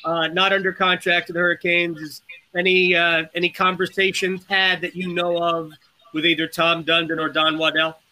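High-pitched, bright-voiced male sports host. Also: completely flat delivery, moderate pace, poor audio. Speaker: sports show host introducing a guest. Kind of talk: casual sports chat.

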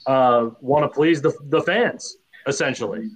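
A man's voice: mid-range voice, measured pace, low-quality recording. A man co-hosting a sports podcast who chimes in with wry, joking remarks. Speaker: podcast co-host. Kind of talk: casual podcast chat.

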